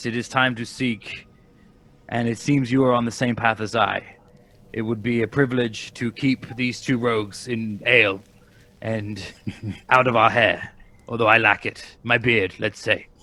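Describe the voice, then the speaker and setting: A man's put-on character voice at medium pitch, moderate in pace, with long, frequent pauses. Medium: actual play. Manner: formal, old-fashioned.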